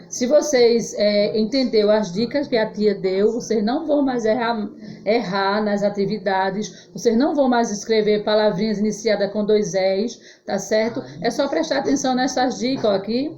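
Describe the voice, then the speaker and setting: A woman teacher with a Brazilian Portuguese accent, giving a children's phonics lesson, drawing out syllables slowly and having the class repeat after her. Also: on the high side, a little mellow. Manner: slow, drawn-out syllables, call-and-response drilling. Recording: dull lo-fi recording.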